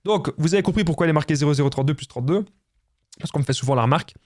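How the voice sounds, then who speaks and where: A man's voice: fairly high pitch, rapid-fire, darkish tone, no room sound, clean studio sound. Insistent Belgian man giving advice. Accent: Belgian French. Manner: repetitive, insistent, addresses viewers as friends. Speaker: relationship advice youtuber. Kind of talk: direct-to-camera advice talk.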